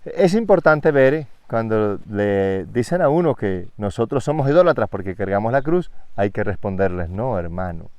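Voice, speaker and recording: A man's voice: lowish voice, animated, moderate pace, a little mellow, clear, resonant tone, no echo, muffled recording. A man preaching a Catholic sermon, emphatic, reading scripture aloud and asking rhetorical questions.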